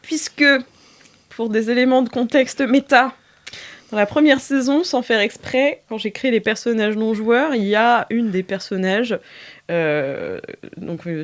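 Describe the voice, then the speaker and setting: A woman with a medium-pitched voice talks at an ordinary speed while she improvises as game master of a tabletop game. She narrates hesitantly, fills her speech with filler sounds, and laughs often.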